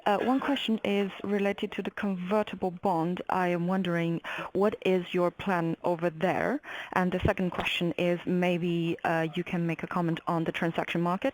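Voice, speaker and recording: A woman's voice: on the low side, a little hiss or hum, rough recording. A woman calling in as a financial analyst, politely asking questions on a conference call.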